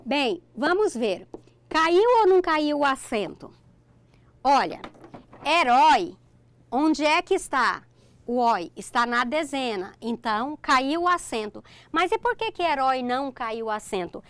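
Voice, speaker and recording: Her voice sits high and is very animated, and she takes her time. A middle-aged Brazilian woman with a Brazilian Portuguese accent, she's teaching a recorded online grammar lesson, breaking it down step by step and regularly asking "ok?".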